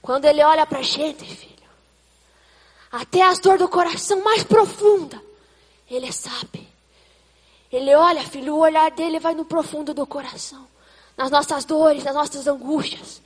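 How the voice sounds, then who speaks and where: A woman playing an excitable, chatty mother in a comic church sketch, retelling events dramatically with quoted asides. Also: high voice, normal speed, long pauses, big-room sound, close to an everyday voice. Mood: tender.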